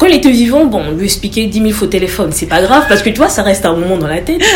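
A woman talks very fast, her voice carrying audible room echo amid noticeable background noise. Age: 20s. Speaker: interview guest, eldest daughter. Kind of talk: personal testimony interview.

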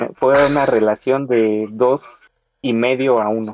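A man speaks at a medium pitch in a dry, close sound with no echo. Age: 20s. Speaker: competitive gamer. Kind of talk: casual chat.

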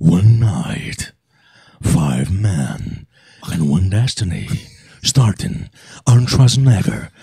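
In a put-on character voice, a man speaks with very deep, low pitch. He goes at a very slow pace with long, frequent pauses.

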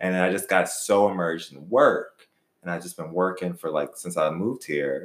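A man with an American accent speaks at a moderate pace and a very deep, low pitch. His pitch variation is ordinary, while his loudness swings widely. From Philadelphia, US. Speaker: podcast guest. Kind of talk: casual chat.

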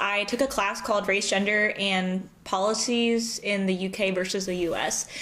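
A woman with an American accent and a medium pitch speaks at a moderate pace amid noticeable background noise. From Southern California. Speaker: guest. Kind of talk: casual chat.

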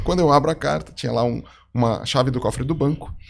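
An ordinary speaking voice from a man, fairly high in pitch, with ordinary pitch variation and a fairly quick pace. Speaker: plastic surgeon and financial educator. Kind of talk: podcast interview.

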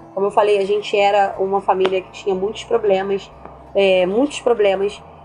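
A woman talks at a moderate pace with ordinary pitch variation. Noticeable background noise sits behind her. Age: 30s. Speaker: abuse survivor, small business owner. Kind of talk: testimony.

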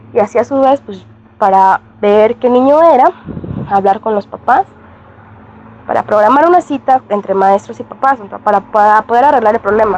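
A woman speaks at a moderate pace in a fairly high pitch with ordinary pitch variation and long, frequent pauses. The sound is dry and close with no echo, though background noise is noticeable. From Mexico, Querétaro. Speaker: mother telling a paranormal story. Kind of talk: first-person testimony.

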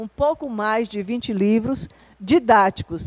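With a Brazilian accent, a woman speaks fairly slowly at a fairly high pitch in a dry, close recording with no echo. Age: 60s. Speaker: spiritist lecturer. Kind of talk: lecture. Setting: spiritist center with audience.

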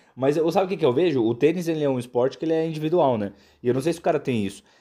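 A man with a fairly high pitch, dark, mellow tone and lively intonation against a quiet background. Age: 20s. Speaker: podcast host. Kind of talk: casual chat.

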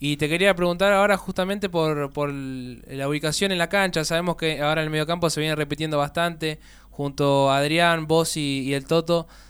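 Music plays in the background as a man talks at a moderate pace. His pitch is fairly high, and his intonation is fairly even. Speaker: radio co-host. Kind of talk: radio sports talk.

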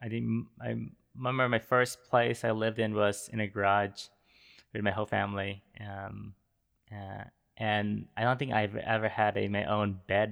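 Against a quiet background, a man with an American accent speaks at a fairly low pitch and a moderate pace in a monotone, flat intonation. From Southern California, Los Angeles. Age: 30s. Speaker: real estate investor and company founder. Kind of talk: interview. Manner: hesitant, many fillers.

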